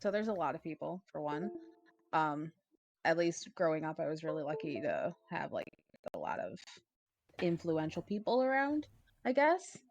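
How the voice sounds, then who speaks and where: A woman's voice: deep voice, very animated, normal speed, darkish tone, muffled recording, a little hiss or hum. A woman co-hosting a podcast in casual chat, thinking aloud in a hesitant, reflective way. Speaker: podcast co-host. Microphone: headset.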